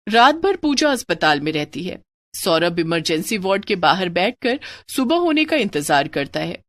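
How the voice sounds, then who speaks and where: A woman narrating an animated moral story in a scripted storytelling style. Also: on the low side, moderate pace, no room sound. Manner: expressive storytelling.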